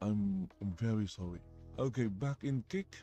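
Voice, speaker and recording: A relaxed tone in a non-native accent, with ordinary pitch variation and music in the background. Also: man. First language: not English. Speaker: gaming streamer. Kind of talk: live gameplay commentary. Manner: relaxed, casual.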